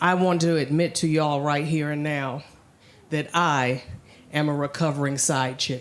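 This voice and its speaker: A woman speaks at a moderate pace in a very deep, low pitch. Her intonation is monotone and flat, and the room echo is audible. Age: 60s. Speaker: comedian. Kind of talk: stand-up. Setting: stage with audience.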